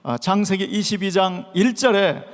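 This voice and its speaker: A man preaching a Sunday sermon as pastor, posing rhetorical questions and acting out shouted calls. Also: high-pitched, animated, normal speed. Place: church sanctuary. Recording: long reverb of a large church hall.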